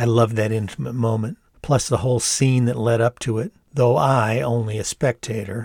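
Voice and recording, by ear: This is reading aloud in a natural voice, the intonation fairly even.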